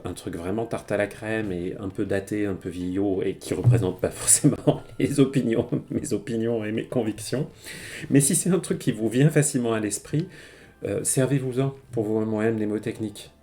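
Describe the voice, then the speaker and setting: Guy streaming a language lesson, lowish mellow voice, chatty with lots of euh. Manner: chatty, many fillers, laughs while explaining. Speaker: Japanese teacher. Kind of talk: casual live-stream lesson. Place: home streaming setup.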